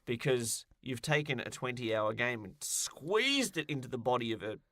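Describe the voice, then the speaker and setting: A man's voice: medium pitch, expressive, normal speed, a bit bright, dry recording. A man co-hosting a podcast, chatting casually about what he is reviewing with wry, sarcastic humour. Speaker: podcast co-host.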